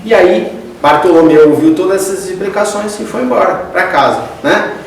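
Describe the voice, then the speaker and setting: Brazilian male lecturer, conversational, higher-pitched, distant in a very echoey hall. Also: normal speed, vocal fry, a little hiss or hum. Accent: Brazilian Portuguese. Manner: conversational, addresses the audience as "gente". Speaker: spiritist lecturer. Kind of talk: religious lecture.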